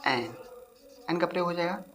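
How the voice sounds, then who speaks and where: A woman with a deep, low-set voice teaches a grammar lesson. She repeats each point and keeps asking the viewer questions as she goes. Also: normal speed, fairly bright tone, slight background noise. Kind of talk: classroom-style grammar lesson.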